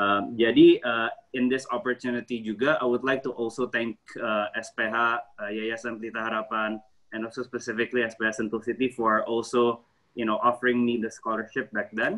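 The background is quiet. The speaker keeps a moderate pace and monotone, flat intonation. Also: man. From Indonesia. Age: 20s. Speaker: management consultant. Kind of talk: casual interview. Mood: friendly, grateful. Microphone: video call.

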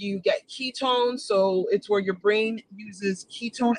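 A woman's voice comes through with a dry sound and no echo. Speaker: weight loss vlogger. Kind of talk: casual vlog chat. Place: car. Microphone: phone near.

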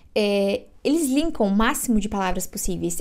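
With a Brazilian accent, a woman speaks at a fairly slow pace in an animated tone. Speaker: English teacher. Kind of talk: online English lesson.

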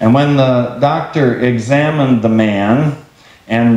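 Audible room echo surrounds a man's very slow speech. His pitch varies in an ordinary way. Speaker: preacher. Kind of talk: sermon. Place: church.

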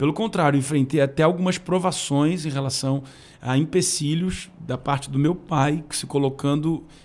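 The speech comes at a moderate pace with fairly even intonation. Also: man. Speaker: gospel singer. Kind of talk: casual interview chat.

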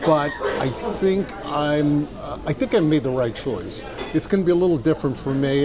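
Crowd noise fills the background. Over it, a man talks at a moderate pace. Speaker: food vlogger. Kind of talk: casual vlog chat. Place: cafe. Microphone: lapel.

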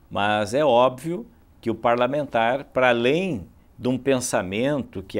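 A man talks at medium pitch in a plain, everyday voice. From Rio Grande do Sul, northwest (São Luiz Gonzaga); Rio Grande do Sul, Brazil. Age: 40s. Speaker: state legislator; interviewee. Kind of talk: TV interview. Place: studio. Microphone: lapel.

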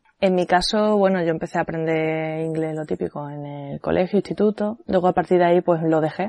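At a fairly quick pace with hardly any pauses, a woman with a dark, mellow tone and fairly low pitch keeps her intonation fairly even in a dry, close sound with no echo. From Spain. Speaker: webcomic creator. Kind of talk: roundtable discussion.

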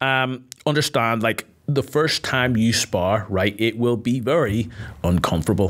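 A man with a Northern Irish accent speaks in an animated tone at a fairly slow pace, his loudness very even against a quiet background. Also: ordinary pitch variation. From Northern Ireland, Belfast. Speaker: podcast host, gym business owner. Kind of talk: casual chat. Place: studio. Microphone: studio mic.

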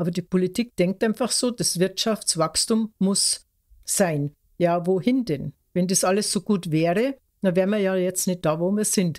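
A woman with an ordinary speaking voice talks at a medium pitch and fairly slow pace, with ordinary pitch variation, in a very clean recording with a silent background and a dry, close sound with no echo. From Tyrol, Austria (mountain farm). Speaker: author and lunar calendar expert. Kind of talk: interview.

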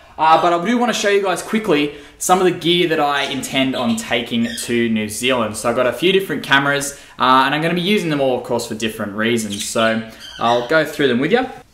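Someone talks at a very fast pace, with audible room echo and light background noise. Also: man. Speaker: wildlife vlogger. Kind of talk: casual vlog chat. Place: home room. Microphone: phone near.

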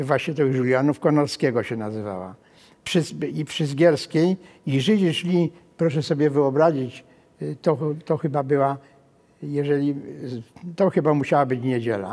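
Delivery comes at a moderate pace with long, frequent pauses. The tone is dark and mellow, with ordinary pitch variation. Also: man. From Łódź, Poland. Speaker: elderly witness recounting memories. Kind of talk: oral-history interview, reminiscing. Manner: halting, repeats words. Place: hall.

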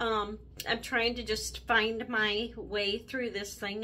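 A woman's bright, sharp voice with vocal fry at a very slow pace. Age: 60s. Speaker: grandmother. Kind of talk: casual talk to camera. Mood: friendly, slightly unsure. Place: home room. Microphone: phone near.

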